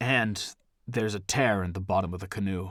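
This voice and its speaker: In a quiet, fairly low put-on character voice, a man speaks at a fairly quick pace with fairly even intonation on a very clean recording with a silent background. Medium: read story. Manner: quiet, grave.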